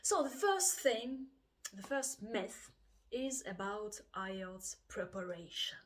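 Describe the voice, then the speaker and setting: A woman's voice: medium pitch, very animated, slow pace. A woman from Russia with a Russian accent, giving a chatty English exam lesson and acting out her students' voices. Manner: chatty, acts out students' voices, frequent laughs. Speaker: IELTS teacher. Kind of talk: casual video lesson.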